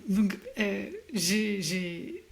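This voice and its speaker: Woman interview guest, mid pitch, halting, reflective, story of her work. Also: fairly even intonation, creaky. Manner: hesitant, many fillers and restarts, reflective storytelling. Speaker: executive coach, podcast guest. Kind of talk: conversational interview answers.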